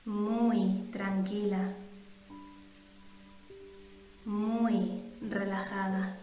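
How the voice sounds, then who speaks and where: A woman guiding a meditation in calm, measured instructions with pauses between phrases. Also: mid-range voice, soft background music. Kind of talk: slow, soothing guided meditation. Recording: roomy, echoing sound.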